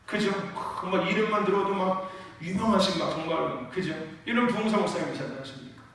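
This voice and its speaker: A man preaching a sermon in a church, animated, often rising to shouts and calling for amens. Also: sits high, fast talker. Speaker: pastor. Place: church sanctuary. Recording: echoey church hall from far off.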